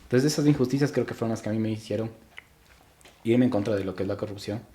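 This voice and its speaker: A man's voice: fairly low pitch, quick pace, dark tone. A young man from Ecuador, a podcast guest, talking reflectively in casual interview chat with frequent restarts.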